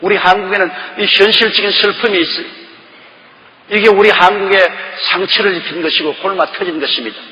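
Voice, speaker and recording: A man's voice: high-pitched, sharp tone, big-room sound, poor audio. An older man preaching a sermon emphatically, repeating key phrases and firing rhetorical questions. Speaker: pastor.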